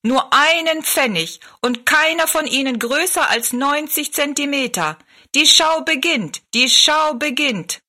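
Brash showman hawking at a storybook fair, raised piercing pitch, drawn-out cries, performed by a woman. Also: expressive, bright, forceful tone, heavily acted. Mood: hawking, excited. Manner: calling out, stretched repeated cries. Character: brash fairground barker drumming up customers. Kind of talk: storybook narration.

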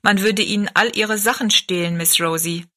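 Lady reading a respectful helpful young lad from a fairground story, bright voice, earnest. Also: mid-range voice, steady tone, moderate pace, close to an everyday voice. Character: helpful, deferential lad at a travelling fair. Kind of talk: storybook narration.

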